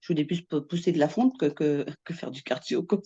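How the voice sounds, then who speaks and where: A woman's voice: sits low, animated, brisk, warm tone, slightly rough, dull audio. A woman in her fifties, from Portugal, giving a casual testimonial about her coaching. She talks hesitantly, with many restarts, and laughs easily. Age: 50s.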